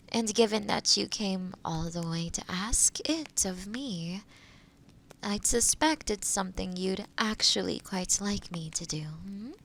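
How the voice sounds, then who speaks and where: A woman playing a kind, gently teasing forest witch in an intimate audio roleplay, speaking softly and thoughtfully with hums and pauses. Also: mid-range voice, gravelly, full character voice. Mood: gentle, coaxing.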